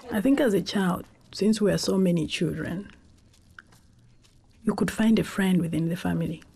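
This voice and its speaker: Zambian woman, tonga native, mellow gravelly voice, reflective, lots of pauses. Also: lowish voice. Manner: reflective, unhurried, with pauses and restarts. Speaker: documentary interviewee. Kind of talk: personal life story.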